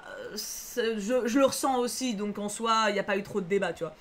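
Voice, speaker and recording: A woman's voice: medium pitch, fairly quick. A woman streaming live, chatting casually with viewers, reassuring and repeating herself with lots of fillers. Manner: chatty, reads chat aloud, frequent fillers.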